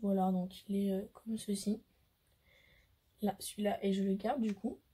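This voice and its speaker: Hoarse French woman chatting to camera. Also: mid-range voice, little pitch movement, normal speed, dark tone. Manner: chatty, hesitant, many fillers. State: hoarse, losing her voice. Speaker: beauty vlogger. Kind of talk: casual makeup haul chat to camera.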